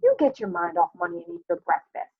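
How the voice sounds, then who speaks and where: A woman's voice: fairly low pitch, huge pitch swings, fairly quick, breathy edge, phone-quality sound, full character voice. A woman voicing a tired, stern but loving young mother, with dry, clipped commands. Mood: scolding.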